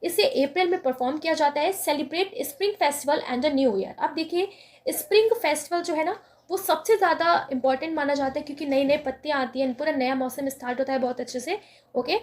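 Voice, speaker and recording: A woman's voice: sits high, brisk. A woman teaching a lesson on memory tricks, explaining step by step and answering her own questions.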